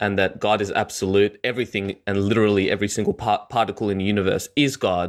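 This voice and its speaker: This very clean recording, with its silent background, has a man talking at a fairly quick pace. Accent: Australian. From Australia.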